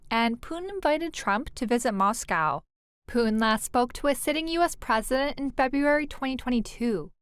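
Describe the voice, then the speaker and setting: A woman's voice: on the high side, clean tone, no room sound, studio quality. A woman narrating a scripted news report as a reporter, with matter-of-fact delivery.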